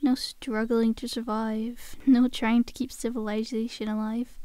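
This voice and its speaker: A woman's voice: on the high side, flat delivery, a little slow, warm tone, clear, resonant tone, no echo, natural voice. A woman playing a friendly, sly zombie girl in an ASMR roleplay, coaxing a survivor in a chummy, casual, faux-innocent way. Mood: cajoling.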